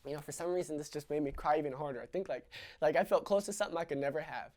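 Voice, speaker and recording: A man's voice: fairly high pitch, racing, natural voice. A young male actor playing a young man who recounts a traumatic childhood in a dramatic stage monologue, raw and confessional. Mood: bitter, raw. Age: young adult. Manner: raw and confessional, swinging between hushed recollection and sobbing screams.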